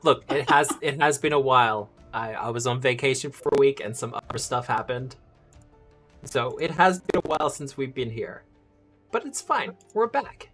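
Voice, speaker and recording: A man's voice: medium pitch, expressive, moderate pace, fairly bright tone, soft background music. Chatty game master man recapping. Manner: chatty, laughing asides. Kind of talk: recapping a tabletop game session.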